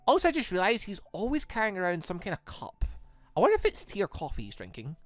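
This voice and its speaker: A gaming video host rambling casually and excitably through fan opinions while commentating on a game. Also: medium pitch, quick pace, no echo, faint music behind.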